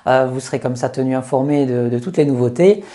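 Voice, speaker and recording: A YouTuber with a mid-range, mellow voice talks a little fast while reviewing gear into a lapel mic. The casual tech review is chatty and goes step by step, with many hesitations.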